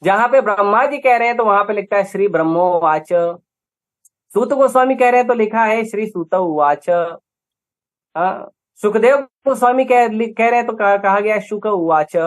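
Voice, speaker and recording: Emphatic Indian man preaching. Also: high-pitched. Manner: emphatic, rhetorical questions, repetitive lists. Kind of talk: scripture lecture.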